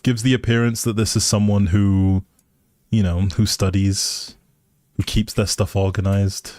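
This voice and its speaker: Over background music, a male livestream host chats casually while playing a life simulation game, speaking to his audience with politeness and appreciation. He talks a little slowly in a lowish, darkish voice with a level tone. The recording is dry.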